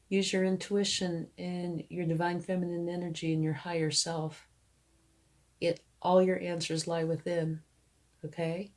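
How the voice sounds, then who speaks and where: Woman, hoarse from a cold, low voice, slow pace, tarot reader, reassuring. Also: darkish tone. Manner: reassuring, explains each card to the viewer and checks in with "okay?". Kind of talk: tarot card reading, casual spoken explanation.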